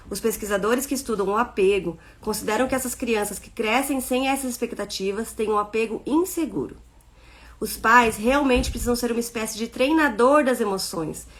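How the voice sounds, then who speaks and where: Brazilian woman in her 30s running a parenting book study online, slightly high voice, reads then chats about it. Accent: Brazilian Portuguese. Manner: reads a passage, then comments warmly with playful baby-talk asides. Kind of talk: reading aloud and explaining to an online group.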